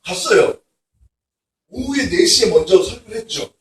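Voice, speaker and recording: 높은 목소리로 열정적으로 설교하는 남자 목사. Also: male voice, sits high, moderate pace. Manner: animated storytelling with emphatic outbursts. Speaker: pastor. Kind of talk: revival sermon to students. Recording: echoey hall from far off.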